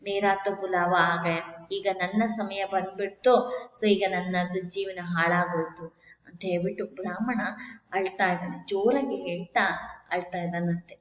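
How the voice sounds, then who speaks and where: A woman's voice: on the low side, steady tone, moderate pace. A woman teacher reads each line and then explains it in plainer words. Her voice carries a long echo off the room. The sound is dull and muffled. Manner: reads Hindi lines, then retells them in Kannada. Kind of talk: explaining a Hindi textbook story in Kannada.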